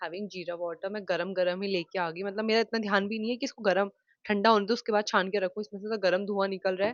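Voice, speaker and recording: A woman's medium-pitched voice, flat and monotone in intonation. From Uttarakhand, India. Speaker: vlogger. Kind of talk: casual vlog.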